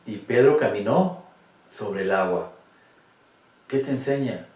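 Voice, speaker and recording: A man's voice: fairly low pitch, lively intonation, slow pace, a little mellow. A man leading a Catholic Bible study, speaking emphatically and posing rhetorical questions to his listeners. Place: room with cameras. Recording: echoey room, distant mic.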